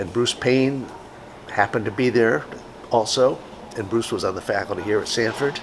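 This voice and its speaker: An American-accented man talks at a moderate pace and medium pitch with ordinary pitch variation and long, frequent pauses, over noticeable background noise. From US Northeast (Buffalo, New York). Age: 80s+. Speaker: professor emeritus. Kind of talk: documentary interview.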